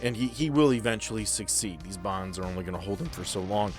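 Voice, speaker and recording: A man's voice: on the low side, fast, music in the background. A man acting as game master, narrating a tabletop game in a casual, descriptive, slangy way.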